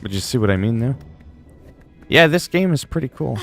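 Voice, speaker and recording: A man's voice: mid-range voice, expressive, normal speed, vocal fry, fairly bright tone, soft background music. A man in his forties chatting casually on a livestream, reading viewers' messages aloud and answering them in a rambling way. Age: 40s.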